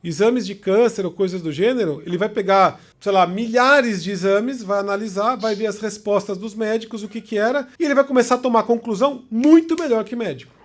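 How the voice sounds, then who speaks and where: High-voiced Brazilian man explaining. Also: a little fast, few pauses. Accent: Brazilian Portuguese. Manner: conversational, checks in with short tag questions. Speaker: lecturer. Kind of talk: informal explanatory talk.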